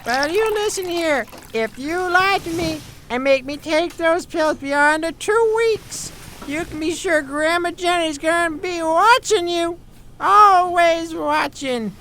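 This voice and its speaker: A woman's voice: very high voice, slow pace, fairly bright tone, a little hiss or hum, full character voice. An actress playing a stubborn, sweet-talking grandmother patient in an audio drama, with a folksy, fussy manner. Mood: playfully menacing. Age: older.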